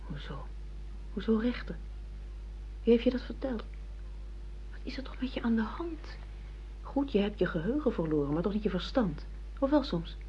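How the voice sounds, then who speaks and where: A woman with an animated, mellow mid-range voice speaks at normal speed with long pauses, lightly acting as a self-assured secretary and secret mistress in a Dutch radio play. Indignant and reproachful, she frankly lectures her boss. The muffled, lo-fi recording carries a slight hiss or hum.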